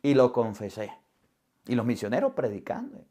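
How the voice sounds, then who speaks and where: A man's voice: medium pitch, huge pitch swings, moderate pace, mellow. A middle-aged male priest giving a sermon, telling a personal story and acting out the dialogue vividly. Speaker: Catholic priest.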